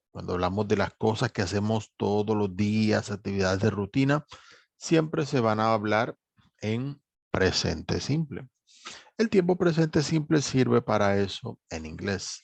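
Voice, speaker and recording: Gravelly low-voiced man teaching. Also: no room sound. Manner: measured, repeats reminders, many fillers like "obviamente". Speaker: English teacher. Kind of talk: online course lecture.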